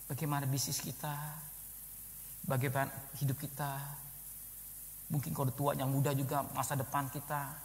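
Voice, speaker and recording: An older male pastor giving an emphatic sermon, swinging between loud exclamations and quiet asides. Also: mid-range voice, level tone, moderate pace, pauses often. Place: church hall. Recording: long hall reverb.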